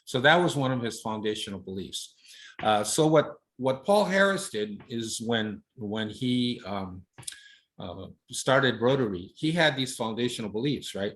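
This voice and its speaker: A man's voice: medium pitch, expressive, measured pace, a bit bright. A man from Hawaii giving an informal leadership presentation with slides, speaking casually with many fillers and often ending points with "right?".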